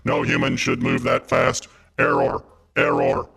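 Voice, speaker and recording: A glitching robot invader speaks from the very bottom of the pitch range in a dead-flat drone. The sound is heavily gravelly and rough, run through a robotic filter. It announces stiffly and repeats error messages like a failing machine. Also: male voice, measured pace, heavily acted. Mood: menacing. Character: glitching male robot alien invader, cold and menacing. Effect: deep robotic voice filter.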